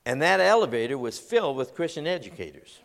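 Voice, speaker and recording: A man, preaching and telling a funny story with lively delivery. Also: mid-range voice, fast talker, creaky, long reverb tail. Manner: animated storyteller, acts out voices and laughs. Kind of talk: humorous sermon illustration.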